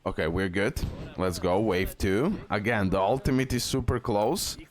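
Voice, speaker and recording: Low-voiced man guiding through a game. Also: moderate pace. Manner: instructional, repeats himself, frequent check-in tags. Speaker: gaming YouTuber host. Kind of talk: casual game guide commentary over gameplay. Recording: music behind the voice. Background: music under gameplay commentary.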